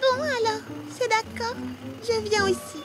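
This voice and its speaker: A woman's voice: very high-pitched, unhurried. A woman voicing a timid, easily frightened young girl in a children's cartoon, speaking in a hesitant, nervous way. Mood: agreeable. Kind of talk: French children's cartoon dub. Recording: loud music bed behind the voice.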